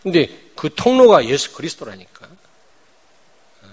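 Male pastor, sermon delivery, animated pitch, mixes booming claims with hushed asides and rhetorical questions. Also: moderate pace, husky.

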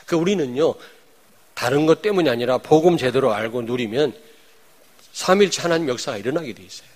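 A male pastor preaching with a lively, rising and falling pitch. He turns from ringing declarations to quiet, confiding asides, and keeps asking his congregation questions. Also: fast. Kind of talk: sermon.

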